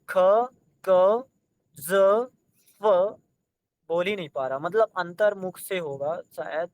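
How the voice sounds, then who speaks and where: A man's voice: sits high, clear, resonant tone, no room sound. A man teaching an exam-prep lesson, sounding out letters one by one and urging students to try them. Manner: addresses students directly, coaxing them to try.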